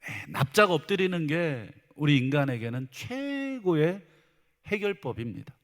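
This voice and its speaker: A man's voice: mid-range voice, fairly bright tone. A male pastor preaching a sermon with humor, acting out exchanges between spouses and asking the congregation questions. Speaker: senior pastor. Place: church sanctuary. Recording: long church hall reverb.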